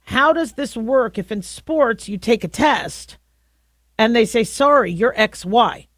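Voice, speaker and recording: Woman, deep voice, talk radio host, middle-aged, dry studio sound, stop-and-start delivery. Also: animated, no echo. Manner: conversational, halting with many restarts. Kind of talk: opinionated talk radio monologue.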